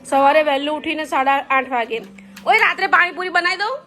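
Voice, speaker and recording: High bright-voiced teasing mother. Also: a little fast, faint music behind. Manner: teasing, scolding, chatty. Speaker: mother and vlogger. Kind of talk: casual family vlog.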